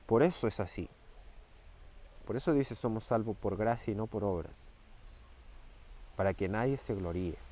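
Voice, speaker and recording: Fervent low-voiced preacher man. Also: mellow. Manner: fervent, repeats phrases, slows and rises for emphasis. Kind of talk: sermon.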